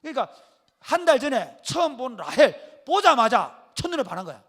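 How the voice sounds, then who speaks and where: A man's voice: very high-pitched, moderate pace. A man preaching a sermon with a Gyeongsang Korean accent, telling stories in a casual, joking way and calling on listeners by name. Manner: lively storytelling, calls on listeners by name; colloquial, jokes with the congregation. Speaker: pastor.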